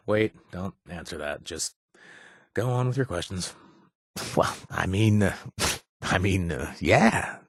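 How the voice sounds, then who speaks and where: A jittery raider buddy from a game, husky voice, lively swoops, dry close sound, rambling, jokey. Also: male voice, fairly low pitch, no echo, exaggerated voice. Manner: rambling, self-correcting, jokey. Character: nervous, wisecracking male raider ally, eager to please. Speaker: video game companion character. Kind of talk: game character voice lines.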